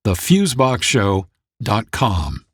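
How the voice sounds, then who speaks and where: A man hosting a podcast, reading a measured scripted introduction. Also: fairly low pitch, very animated, very noisy. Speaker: podcast host.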